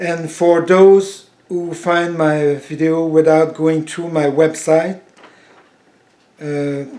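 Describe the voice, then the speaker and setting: In a French Canadian accent, a man speaks at a very slow pace and a fairly high pitch. His intonation is monotone and flat. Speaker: self-taught amateur scientist. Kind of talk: reading from a prepared text. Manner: halting, with many restarts.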